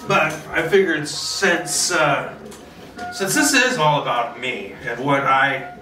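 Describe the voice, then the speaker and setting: Bright-voiced man in an echoey room. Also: fairly high pitch, slow. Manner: theatrical, self-mocking, profane. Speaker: solo video host. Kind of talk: rambling casual monologue to camera. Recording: roomy echo, distant mic, faint music.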